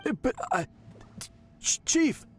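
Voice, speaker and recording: A man's voice: slow, soft background music, lightly acted. A man playing an earnest, defensive tribal priest in a video game, formal and easily flustered. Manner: formal, anxious, faltering.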